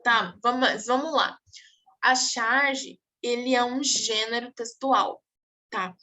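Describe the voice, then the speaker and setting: Female teacher, slightly high voice, patient explainer who keeps checking the class follows. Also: fairly even intonation, slow, pushed and bright. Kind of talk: online exam review class.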